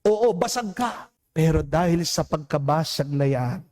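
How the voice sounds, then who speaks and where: A Filipino priest giving a homily, preaching slowly and deliberately, drawing out English phrases and asking his listeners "Amen?". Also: fairly high pitch, animated, a little mellow. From Philippines. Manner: slow, deliberate preaching with emphatic rises and drawn-out English phrases; addresses listeners as "mga kapatid" and asks "Amen?".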